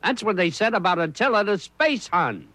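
High-voiced, grumbling cartoon dad. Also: male voice, very animated, moderate pace, heavy background noise. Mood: wry dread. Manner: wry, exasperated complaining. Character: grumbling, anxious space-age cartoon dad. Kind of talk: animated cartoon voice acting. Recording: cartoon soundtrack with loud music behind.

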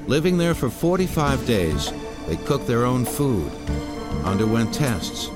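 An American-accented man narrates a scripted documentary in an unhurried, sing-song manner at medium pitch. Music plays beneath his narration.

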